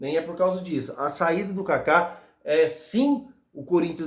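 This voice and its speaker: A man's high voice carries ordinary pitch variation. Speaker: football news YouTuber. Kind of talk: casual vlog commentary.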